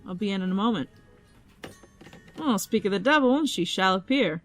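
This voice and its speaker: A woman's voice: medium pitch, animated, normal speed, faint music behind, natural voice. An actress playing a stubborn, stressed woman detective with a terse, dry delivery in an audio drama. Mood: brisk. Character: stressed, stubborn, guarded female police detective. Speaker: police detective.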